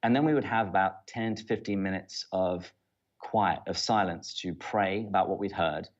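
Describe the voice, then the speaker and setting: A dull, slightly lo-fi recording of a man with a British accent from southern England. His voice is on the low side, and he chats as an interview guest in an understated, dry way. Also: normal speed. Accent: Southern English. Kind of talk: casual conversational interview. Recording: dull, lo-fi audio.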